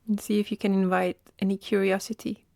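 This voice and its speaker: Woman guiding meditation, creaky close dry voice. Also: mid-range voice, flat delivery, no echo. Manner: slow, gentle, with long pauses. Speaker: meditation guide. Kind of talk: guided meditation.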